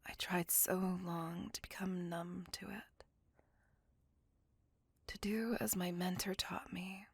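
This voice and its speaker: A woman voicing a brooding, possessive female vampire in a whispered ASMR roleplay, speaking in a soft, breathy, gravelly whisper close to the mic. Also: on the low side, steady tone, takes it slowly, no room sound, exaggerated voice. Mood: brooding confessional. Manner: soft confessional whisper throughout.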